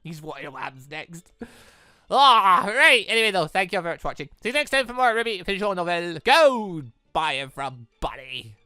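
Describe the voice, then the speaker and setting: An excitable, rambling gaming channel host giving casual let's play commentary, prone to breaking into laughter, on a close mic. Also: mid-range voice, fairly quick, clean tone, no echo.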